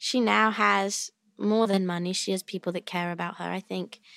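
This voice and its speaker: In a British accent, a woman speaks at a moderate pace on a very clean recording with a silent background and a dry, close sound with no echo. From England. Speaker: voice actress. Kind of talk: casual chat.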